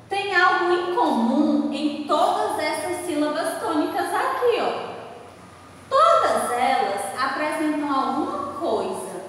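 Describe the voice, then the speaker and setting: A woman teacher with a Brazilian accent, giving a recorded lesson to young children, slow and patient, stressing each syllable clearly. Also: high voice, a bit bright, slight background noise. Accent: Brazilian Portuguese. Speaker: schoolteacher. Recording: echoey room heard from far off.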